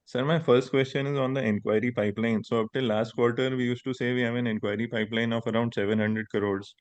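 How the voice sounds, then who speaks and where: A man's voice: mid-range voice, fairly even intonation, quick pace, no echo. A man with an Indian accent putting questions to company management as an investor on an earnings call. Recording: dull, dry conference line.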